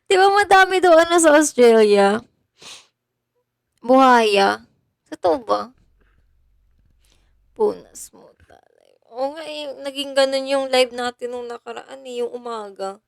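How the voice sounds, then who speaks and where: A woman's voice: high voice, unhurried, vocal fry, pauses often, clean tone, no echo, studio quality. A young woman from Bulacan in the Philippines, chatting casually on a phone livestream and thanking her viewers by name. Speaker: idol livestreamer.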